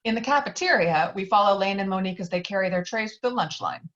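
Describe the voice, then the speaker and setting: A woman's voice: medium pitch, animated, fast talker, a bit bright, dull audio. A woman reading out stage directions as scripted narration of a screenplay.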